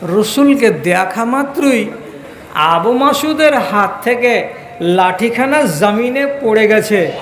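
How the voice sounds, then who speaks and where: A man with a West Bengal Bengali accent preaching a sermon to a large gathering, in a chanting, sing-song delivery with drawn-out stressed phrases. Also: very high voice, a bit bright, echoey room, a little hiss or hum. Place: large religious gathering, public address.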